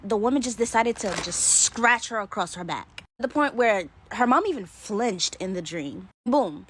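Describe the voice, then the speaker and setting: A woman telling scary stories in a casual, chatty way and talking straight to her viewers like friends. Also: a little high. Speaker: social media storyteller. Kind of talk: casual scary story time.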